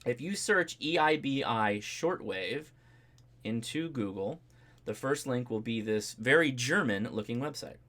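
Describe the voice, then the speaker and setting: A man's voice: medium pitch, animated, measured pace, fairly bright tone. A man hosting a livestream, giving a casual, chatty hands-on tutorial and checking in as he explains each step. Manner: informal, chatty, explanatory, checks in with "right?" and "okay?". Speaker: host of a ham radio livestream. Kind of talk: casual live demonstration and tutorial.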